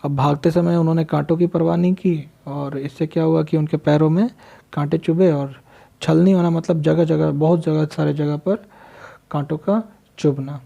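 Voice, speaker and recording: A man's voice: fairly high pitch, fairly even intonation, normal speed, creaky, dark tone, lo-fi sound. A man teaching a literature lesson, reading a line from a story and then explaining it in simple words, asking questions and answering them himself.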